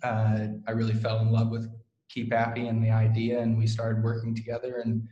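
A man's voice: fairly low pitch, completely flat delivery, moderate pace, warm tone, muffled recording. A young man from Kansas with a Midwestern American accent, speaking as an interview guest in a hesitant way with many fillers. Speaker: guest, co-founder. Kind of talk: casual interview talk. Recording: roomy echo.

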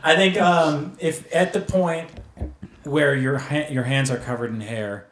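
A man's voice: a little high, fairly even intonation, unhurried, fairly bright tone. A man co-hosting a comedy podcast, rambling through crude jokes in casual banter. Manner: joking, crude, rambling asides. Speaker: podcast co-host. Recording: echoey room with background noise.

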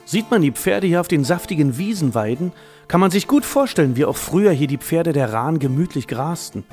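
A man with a fairly high voice reads a scripted historical narration. He tells it as a documentary storyteller, with faint music behind him. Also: lively intonation, fairly quick, darkish tone.

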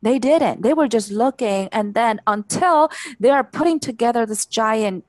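A woman's voice: fairly high pitch, normal speed, no echo. A woman from China, an actress and coach, talking reflectively and earnestly in an interview, often agreeing with "exactly". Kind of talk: conversational interview.

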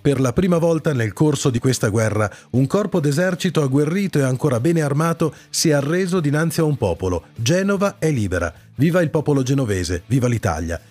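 Higher-pitched male radio host over music. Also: darkish tone. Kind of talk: scripted radio narration. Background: background music.

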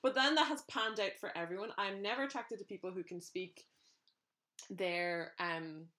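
A young half-French woman co-hosting a podcast, musing in animated casual chat. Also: medium pitch, normal speed. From Ireland and France. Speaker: podcast co-host.

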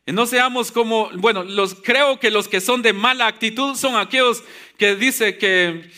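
Guy preaching at church, slow and repetitive, asks the congregation stuff, super bright sharp voice. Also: high-pitched. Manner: repetitive, rhetorical questions to the congregation, calls them brothers. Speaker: pastor. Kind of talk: sermon. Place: church service.

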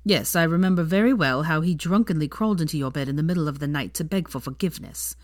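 A woman reading the lines of a young man who is a tired, blunt father, speaking in a low, muttered, weary way. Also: fast talker, dry recording, studio quality, close to an everyday voice.

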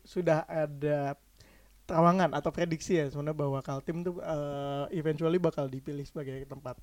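A man co-hosting a casual chat, firing off eager, animated questions. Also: fairly high pitch, brisk, dry recording. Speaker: co-host.

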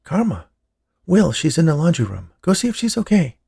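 Man voicing an anxious young mother, raised pitch. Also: big pitch swings, normal speed, vocal fry, mellow, breathy edge, heavily acted. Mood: alarmed. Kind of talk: audiobook character dialogue.

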